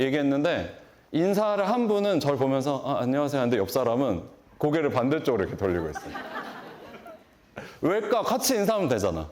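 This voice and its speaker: Animated Korean man in his forties lecturing. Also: mid-range voice. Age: 40s. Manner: animated, asks the audience questions and acts out greetings. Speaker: beauty industry lecturer. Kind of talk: conference keynote talk. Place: large conference hall.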